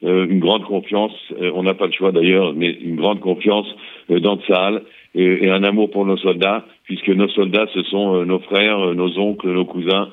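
A man, a former intelligence officer, giving a measured analysis over a phone line in a radio interview, pausing often with hesitant fillers. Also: low-pitched, little pitch movement. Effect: heard over a phone line.

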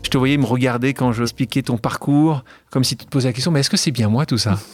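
Fast-talking male interview host. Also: mid-range voice, faint music behind. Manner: quick, talkative, asks long leading questions. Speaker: radio/podcast host. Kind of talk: interview conversation.

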